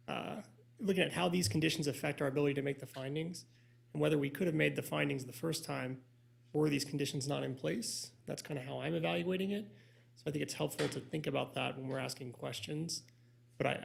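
A man's voice: fairly high pitch, steady tone, quick pace, creaky. A man speaking as a planning commissioner, giving analytical, deliberative remarks in careful wording. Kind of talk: deliberative public meeting remarks. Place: public meeting room.

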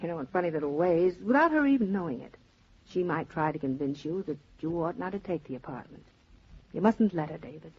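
Blunt, dry-humored mother, husky, 1940s radio-play sound. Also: deep voice, lively intonation, brisk. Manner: blunt, dryly teasing. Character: mother, older woman, dry and plainspoken. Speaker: actor in radio drama. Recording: dull 1940s radio transcription.

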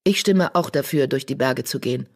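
A narrator voicing Sturmpelz, a calm young male warrior cat in an audiobook. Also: mid-range voice, brisk, natural voice. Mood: agreeing.

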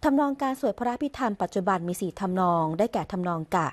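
A woman reading the royal court news in a measured, formal and even voice as a scripted broadcast voice-over. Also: mid-range voice. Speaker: news reader.

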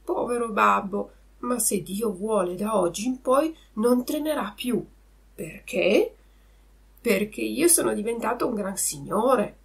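A woman's voice: mid-range voice, animated, a little slow, vocal fry. A woman voicing a naive, boastful wooden puppet boy in a storybook reading, with a raised, eager voice.

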